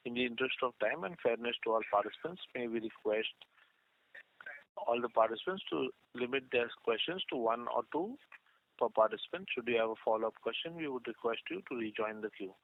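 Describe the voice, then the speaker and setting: A man's voice: medium pitch, expressive, brisk. Polite male call operator on phone line. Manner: polite, formal. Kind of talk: formal scripted call moderation. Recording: narrow phone-line sound.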